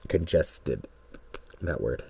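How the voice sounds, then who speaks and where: A man's voice: rumbling low, animated, extremely slow, vocal fry, darkish tone, husky. A young man streaming a game, congested, rambling hesitantly with many restarts while he waits for a match. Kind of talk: rambling solo stream chat.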